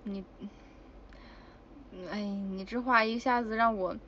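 A woman's voice: medium pitch, fairly even intonation, takes it slowly, bright, forceful tone, dull audio, a little hiss or hum. A woman chatting casually with fans on a livestream, giggly and exclamatory. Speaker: idol livestreamer. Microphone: phone.

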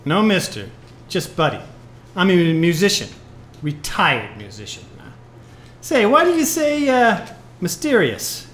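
A woman plays a washed-up jazz musician in a live noir radio play. The voice sits a little low for a woman and moves in big swoops. The talk is wisecracking hipster slang with a bitter edge. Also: big pitch swings, a little slow. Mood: sardonic, weary. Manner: hep-cat slang, sardonic, stammers when rattled. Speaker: actor in a live audio play. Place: live on stage in a club.

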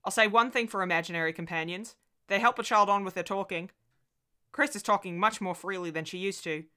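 A woman narrator voices a good-humoured young husband. The delivery is bright and forceful. He is teasing, a little scoffing, and reassuring, in the manner of audiobook dialogue. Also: medium pitch, a little fast, close to an everyday voice. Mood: breezy. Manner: teasing, breezy. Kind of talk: audiobook character voice.

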